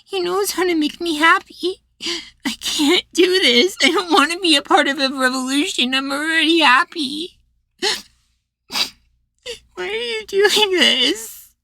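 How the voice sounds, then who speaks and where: A man acting a sweet, anxious, devoted young boywife in a soft, pleading ASMR roleplay. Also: extremely high pitch, a little slow, vocal fry, pauses often, no echo, heavily acted. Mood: upset, pleading.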